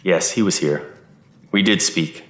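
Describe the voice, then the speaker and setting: An actor playing an old, lonely country reverend in an audio drama, solemn and hospitable, with measured, formal phrasing. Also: male voice, sits low, a bit bright. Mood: grave, regretful. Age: older. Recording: roomy echo under music.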